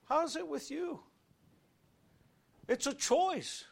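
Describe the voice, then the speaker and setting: Middle-aged guy preaching, high voice swinging all over, folksy stories, yells the big words. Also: drawn-out words, gravelly. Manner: animated preaching, shouting high on key words; folksy, tells everyday stories. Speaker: pastor. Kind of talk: sermon.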